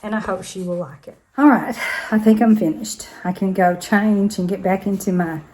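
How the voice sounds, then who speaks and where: A woman in later life, a retired teacher, chatting casually to her vlog viewers in a slightly hoarse voice and thinking aloud as she goes. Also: mid-range voice, normal speed, a little mellow, a little hiss or hum, low-quality recording. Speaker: vlogger.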